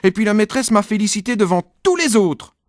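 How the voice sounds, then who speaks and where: A man's voice: sits high, lively intonation, a little fast, dry recording, studio quality, pitched above the performer's own voice. A man doing a boastful, whiny little schoolboy. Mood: eager. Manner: raised, whiny, indignant child voice.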